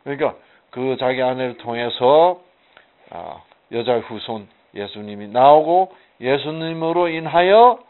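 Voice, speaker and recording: A man leads a relaxed Bible study in slow, unhurried speech. His pitch swings widely as he poses rhetorical questions and answers them himself. The audio is narrow and tinny, like a phone line. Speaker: Bible teacher. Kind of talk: casual Bible study teaching.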